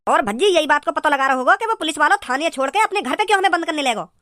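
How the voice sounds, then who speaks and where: A high voice doing a grumbling rustic father. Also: lively intonation, rapid-fire, pushed and bright, no echo, studio quality. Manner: grumbling in rural dialect.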